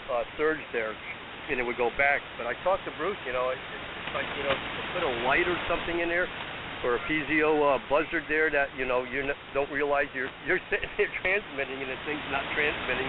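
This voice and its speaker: A man's voice: medium pitch, phone-quality sound. A man talking as an amateur radio operator over AM shortwave, in a casual, rambling technical chat. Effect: AM shortwave radio transmission. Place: amateur radio station, heard through a receiver. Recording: thin, very noisy, hissy shortwave reception.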